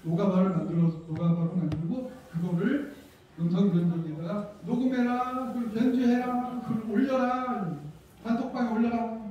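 A man's voice: high voice, normal speed. A middle-aged man teaching a hands-on workshop as an instructor, informally guiding people step by step. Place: wood-panelled seminar hall, indoors. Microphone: handheld microphone heard over room speakers, recorded from far off. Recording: echoey room, distant muffled mic, background noise.

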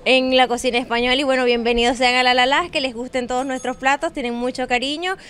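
A woman chef in her thirties speaks with a Venezuelan accent into a handheld mic. Her voice is fairly high, and her tone is polite and welcoming. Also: steady tone, quick pace, a bit bright, clear, resonant tone. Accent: Venezuelan Spanish. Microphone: handheld reporter mic.

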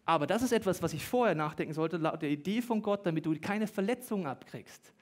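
High-voiced lively joking pastor, man. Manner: lively, joking, talks fast at times. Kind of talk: sermon.

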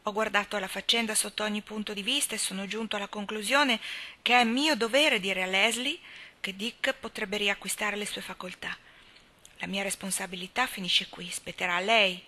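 A woman reading aloud, voicing a calm, firm young male doctor who reasons patiently. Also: medium pitch, normal speed. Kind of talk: audiobook character reading.

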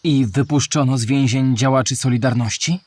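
A man's voice: medium pitch, steady tone, moderate pace, a little mellow, natural voice. A man playing a curious, naive young male listener who asks questions in a scripted children's audio play. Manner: inquisitive, naive.

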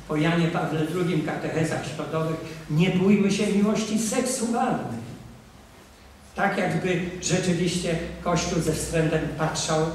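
Older priest lecturing in an echoey room. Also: male voice, on the high side. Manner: emphatic, exhorting, swings between loud appeals and quiet asides. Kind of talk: lecture on marriage. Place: conference room, seated at a table. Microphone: table mic, camera from across the room. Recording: very echoey room, voice from a distance, faint noise.

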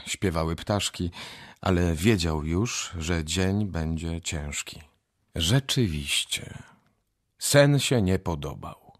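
A man narrating a radio drama as an expressive, scripted storyteller. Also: low voice, no echo, clean studio sound.

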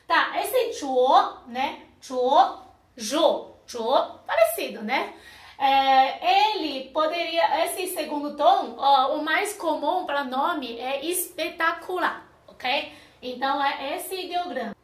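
High-voiced woman. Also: slow, echoey room. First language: Mandarin Chinese. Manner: patient, checks in often with tag questions. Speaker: Chinese teacher. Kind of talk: explanatory language lesson.

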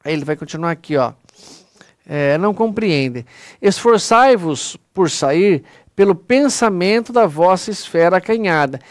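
A man's voice: high-pitched, expressive, unhurried, no room sound, studio quality. A man with a Brazilian accent giving an earnest, conversational spiritist lecture online, often calling his audience "pessoal". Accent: Brazilian Portuguese.

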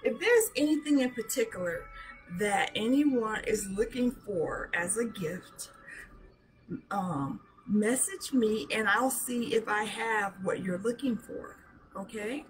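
A middle-aged woman with a hoarse voice, chatting casually as she shows jewelry to a webcam in a small room. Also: mid-range voice, animated, faint music behind, poor audio. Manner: chatty, slow, showing items up close. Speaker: jewelry seller. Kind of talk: live sales show chat. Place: small decorated room indoors. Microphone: webcam at arm's length.

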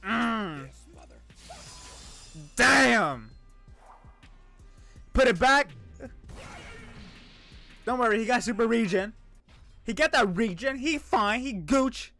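A male streamer with a very high voice and swooping, lively delivery gives excited reaction commentary. He is playful and slangy, often breaking into shouts, with a bit of fry in the voice and music playing behind him. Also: takes it slowly, long pauses, no room sound. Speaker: VTuber streamer reacting to an animation. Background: music and video audio.

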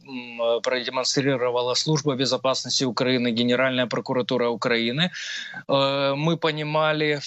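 A man in his thirties with a Ukrainian accent, speaking as an analyst guest on a live news broadcast over a video call, measured and full of hesitation sounds. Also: medium pitch, a bit bright, no room sound, lo-fi sound. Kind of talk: live TV interview commentary. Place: small room at home.

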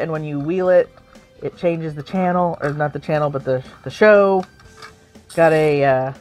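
Excitable woman showing off toys. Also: on the low side. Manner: excitable, giggly, squeals when surprised. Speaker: co-host. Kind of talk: casual chat. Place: home collection room with shelves.

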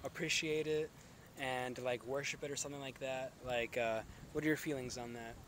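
A man's voice: mid-range voice, steady tone, moderate pace, a bit bright, a little hiss or hum. A young man hosting a casual outdoor street interview, asking rambling, filler-heavy questions into a handheld phone and laughing often. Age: young adult. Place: outdoors on a college campus. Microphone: phone held in hand.

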